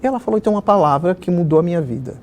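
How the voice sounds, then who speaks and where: Animated middle-aged man telling stories. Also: sits high, rapid-fire. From Israel. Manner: animated storyteller, many fillers. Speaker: children's author. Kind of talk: conversational interview storytelling.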